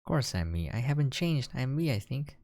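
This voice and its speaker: A man's voice: medium pitch, sing-song, a little fast, over music. A man reading a visual novel aloud as a gameplay host, dropping in casual, conversational asides.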